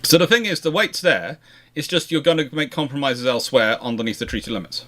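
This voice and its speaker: A man's voice: mid-range voice, fast, bright, forceful tone. A man hosting a casual history question-and-answer chat, rambling and often circling back to rephrase himself. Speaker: host answering viewer questions.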